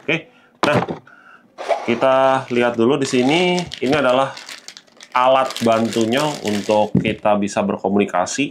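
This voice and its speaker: A man's voice: mid-range voice, unhurried, background noise. A man hosting a casual gadget unboxing, explaining things conversationally to viewers and mixing in English terms. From Indonesia. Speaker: gadget reviewer and vlog host. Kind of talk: casual product unboxing commentary.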